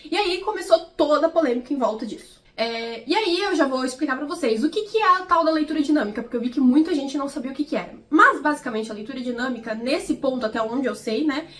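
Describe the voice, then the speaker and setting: A woman's voice: high voice, animated, fast talker, hardly any pauses, fairly bright tone. A young woman vlogging casually about books in a chatty, explanatory way, often checking in with her viewers. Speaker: book vlogger. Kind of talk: casual vlog commentary.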